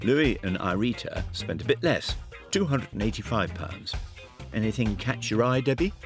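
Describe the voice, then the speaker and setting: A man narrates a light TV show in a lowish voice with very varied intonation. He is playful and wry, over a music bed. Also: lively intonation, normal speed. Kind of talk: light scripted TV narration with wordplay.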